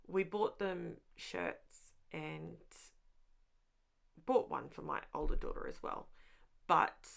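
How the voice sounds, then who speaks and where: A middle-aged woman recording a relaxed craft voiceover at home. Her voice sits a little low and carries a gravelly edge, and she rambles cheerfully, speaking directly to the people watching. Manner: rambling and self-aware, talks straight to viewers. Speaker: crafting channel host. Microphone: voiceover mic.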